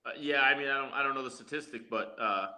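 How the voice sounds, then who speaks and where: A man's voice: mid-range voice, quick pace, pushed and bright. A man reminiscing in casual conversation as a guest on a podcast. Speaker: podcast guest, former wrestler.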